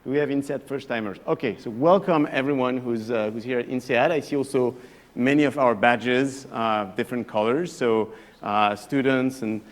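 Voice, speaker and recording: This guest lecturer, a professor from France in his thirties, has a mid-range voice and a moderate pace. He speaks with a French accent, delivering an evening talk to a live audience chattily and hesitantly, frequently starting phrases over.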